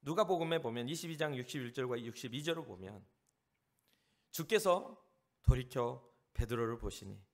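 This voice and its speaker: A man from Jeolla, South Korea, preaching as a pastor at a youth service, animated and acting out the people he describes. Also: medium pitch, normal speed. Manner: animated, acts out the lines of the people in the story.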